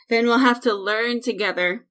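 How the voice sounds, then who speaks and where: A woman's voice: on the high side, a bit bright. A woman playing a determined, menacing young interrogator in an audio drama. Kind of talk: audio drama character acting.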